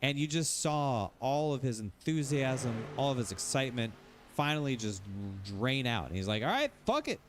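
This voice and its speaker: A man's voice: mid-range voice, normal speed, noisy background. A man streaming sim racing, ranting casually, rambling and repeating himself, swearing freely. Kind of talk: casual livestream rant.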